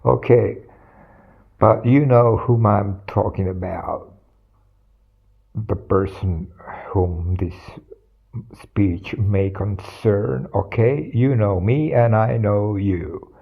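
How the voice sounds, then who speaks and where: A middle-aged man speaks very slowly in a gravelly, fry-edged voice that sits somewhat low. The recording sounds dull and lo-fi. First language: Finnish. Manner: slow, deliberate, formal phrasing. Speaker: video blogger. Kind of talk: direct-to-camera address.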